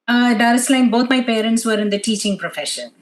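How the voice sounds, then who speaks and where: A woman's voice: fairly high pitch, fast talker. A woman in her fifties from Tanzania, talking about her life as an interview guest, with many fillers. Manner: soft-spoken, many fillers. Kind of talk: interview chat.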